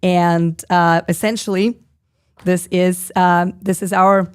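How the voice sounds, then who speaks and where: A hoarse woman in her thirties with a husky, slightly low voice hosts a live stream. She talks in a chatty, loose way, reads comments aloud and pads her sentences with fillers. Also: little pitch movement, slow. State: hoarse, lost voice. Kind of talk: casual live stream chat.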